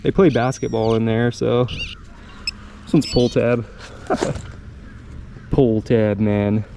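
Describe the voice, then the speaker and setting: A man's voice: mid-range voice, fairly even intonation, slow pace. A man chatting casually and musing aloud in a laid-back, slangy way as he hosts an outdoor metal detecting vlog in a park. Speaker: host of a metal detecting channel. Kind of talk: casual outdoor vlog chat, thinking aloud while searching. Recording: outdoor park ambience with clear background noise. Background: park ambience.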